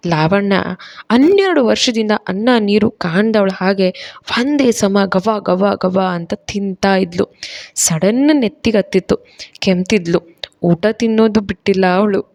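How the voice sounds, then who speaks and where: A woman storyteller narrating a serialized audio story. Her reading is dramatic and expressive. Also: medium pitch, unhurried.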